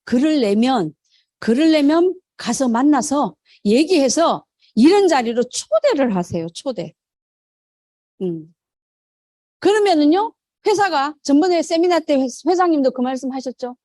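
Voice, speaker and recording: A woman's voice: sits high, lively intonation, a little slow, dark tone, dry recording, studio quality. A middle-aged woman leading a motivational sales seminar, who poses questions to the audience, answers them herself, and acts out quoted phone calls. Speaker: network marketing sales leader.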